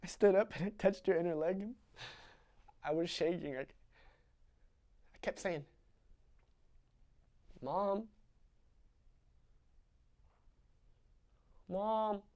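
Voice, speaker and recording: A man's voice: high voice, slow pace, long pauses. A young male actor playing a young man who recounts a traumatic childhood in a dramatic stage monologue, raw and confessional. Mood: hushed, trembling. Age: young adult. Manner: raw and confessional, swinging between hushed recollection and sobbing screams.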